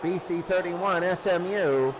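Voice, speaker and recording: A man's voice: high voice, measured pace. A man calling football play by play on the radio in short running calls, repeating downs and scores. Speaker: play-by-play sports announcer. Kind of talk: live American football radio commentary. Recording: loud crowd noise behind commentary. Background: noisy sports crowd.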